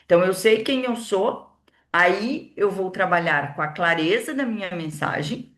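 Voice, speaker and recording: A Brazilian woman, a communication mentor and coach, gives a motivational talk to a women's group with a Brazilian Portuguese accent. She explains calmly and steadily between emphatic lines, deliberately swinging between loud and soft. Her mid-range voice is unhurried.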